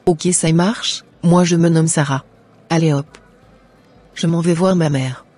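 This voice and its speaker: A woman's voice: sits low, fairly even intonation, a little slow, mellow, breathy edge. A woman voicing a devout young Christian woman. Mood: earnest. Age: young adult. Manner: earnest, pious, speaks in prayers and praise. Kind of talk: Christian cartoon dialogue.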